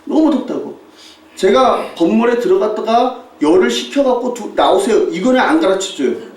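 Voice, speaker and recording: A male pastor preaches with a high, swooping voice, acting out the people in his stories and laughing as he goes. He sounds distant from the mic, with the echo of a large church hall around him. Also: normal speed. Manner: animated storytelling, mimics shouting tourists, laughs often. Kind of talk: sermon with mission report. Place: church sanctuary.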